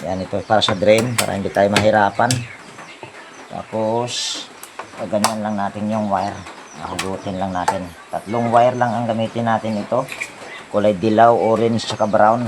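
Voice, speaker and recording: Male repair tech, low voice, muttering through a hands-on tutorial; noisy outdoor recording. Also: fairly even intonation, moderate pace. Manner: talks to himself while working, thinking aloud. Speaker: appliance repair technician. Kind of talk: casual step-by-step repair tutorial. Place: outdoor home service job with roosters and birds nearby.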